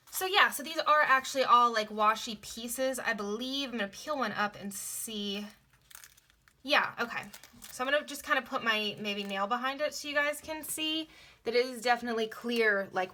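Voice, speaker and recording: A young woman chatting casually through a planner sticker haul, gushing and repeating words, her voice slightly hoarse from being sick. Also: fairly high pitch, normal speed, sharp tone. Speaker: planner vlogger.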